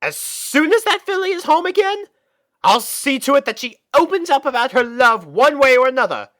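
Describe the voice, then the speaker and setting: Woman as a dramatic, genteel elder-sister pony, animated. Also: sits high, normal speed, pitched above the performer's own voice. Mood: frustrated, determined. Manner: theatrical, genteel, prim.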